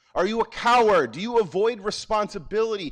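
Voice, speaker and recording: The voice is loud, with lively intonation. It moves at a moderate pace. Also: man. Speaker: teacher. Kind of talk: school assembly speech. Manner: animated.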